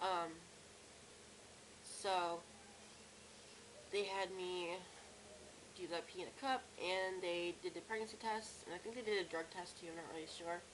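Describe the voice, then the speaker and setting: A young woman with a cracky, strained voice and sore throat, talking casually and haltingly in a personal video diary. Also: lowish voice, fairly even intonation. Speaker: vlogger. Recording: clear background noise, room ambience.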